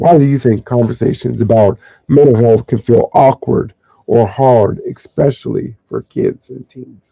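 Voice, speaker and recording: Man's medium-pitched voice, somewhat breathy and dark, mellow in tone, at a fairly slow pace with fairly even intonation, big swings in loudness, and a dry, close sound with no echo. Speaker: podcast host. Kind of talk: interview.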